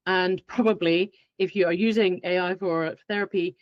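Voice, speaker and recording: Animated woman, dull audio. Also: fairly low pitch, moderate pace, dry recording. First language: Finnish. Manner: animated, acts out her own past thoughts. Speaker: guest expert. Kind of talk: podcast interview.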